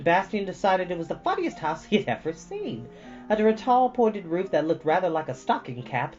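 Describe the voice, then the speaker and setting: A man reading a storybook aloud as host, with expressive, deliberately stressed phrasing. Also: a little high. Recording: dull lo-fi sound with music behind.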